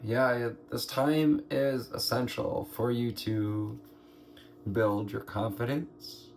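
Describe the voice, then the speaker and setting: Male tarot reader, hoarse and gravelly, unhurried, meandering delivery, faint noise underneath. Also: medium pitch, flat delivery, darkish tone. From United States. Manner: slow, meandering, musing aloud with pauses and throat clearing. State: hoarse, scratchy throat. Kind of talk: slow spiritual card reading.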